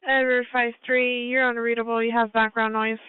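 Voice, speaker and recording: A woman's voice: on the high side, level tone, normal speed, clear, resonant tone, dry recording. A woman police dispatcher heard over a radio transmission, talking in terse, clipped call-sign phrasing. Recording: tinny narrow-band scanner radio.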